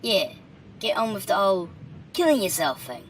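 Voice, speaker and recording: A man's voice: high-pitched, sing-song, normal speed, a bit bright, slight background noise, pitched above the performer's own voice. A man voicing a weary, cheeky male demon with a thick Cockney accent, chatting in a casual, rambling, sweary way. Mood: weary chatty.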